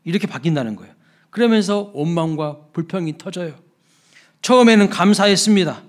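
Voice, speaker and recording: A man delivering a Sunday sermon, his voice sitting a little high for a man. He preaches emphatically, falling suddenly soft and then rising again to act out exclamations. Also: lively intonation, a little fast. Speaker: pastor. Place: church sanctuary.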